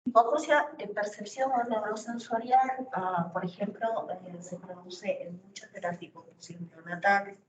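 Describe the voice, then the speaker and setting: A woman's voice: mid-range voice, a little slow. A woman giving a university lecture, explaining step by step and often checking in with rhetorical questions. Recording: distant, roomy, dull lo-fi recording with faint noise.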